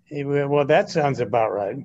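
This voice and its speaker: A man's voice: mid-range voice, normal speed, a little mellow, lightly acted. A man playing a skeptical Jewish teenage boy in an amateur reader's theatre over a video call, hesitant and questioning. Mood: incredulous, wry. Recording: dull, lo-fi video call audio.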